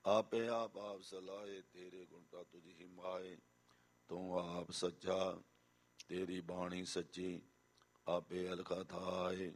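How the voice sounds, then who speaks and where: Man, very low voice, even and steady delivery, melodic scripture chanting, repeats lines. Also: slow pace. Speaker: scripture reciter. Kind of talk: slow chanted scripture recitation.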